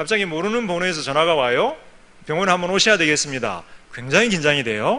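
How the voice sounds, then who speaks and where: Lively in intonation, a man speaks at a high pitch with a bright, sharp tone. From Gyeongsang Province, Korea. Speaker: guest preacher, professor. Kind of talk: sermon. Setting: church. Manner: conversational, asks audience questions.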